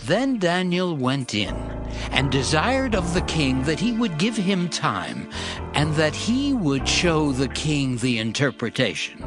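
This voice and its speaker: A man reads scripture as a solemn narrator. His delivery is slow and measured, yet strongly varied in pitch for dramatic weight. Soft music plays faintly under the voice. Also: big pitch swings.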